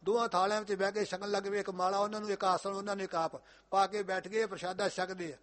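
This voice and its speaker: A male preacher giving a Sikh katha sermon, telling the story with emphatic repetition and chanting scripture verses slowly. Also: high-pitched, little pitch movement, fairly bright tone. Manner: emphatic, repeating lines with rising force.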